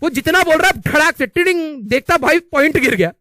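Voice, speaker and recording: A man's voice: very high voice, expressive, a little fast, sharp tone, no echo, studio quality. A teacher telling a comic story to his class, chatty and laughing often, calling his listeners brother. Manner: chatty, laughs often, keeps adding "ठीक है"; calls listeners "भाई" while telling.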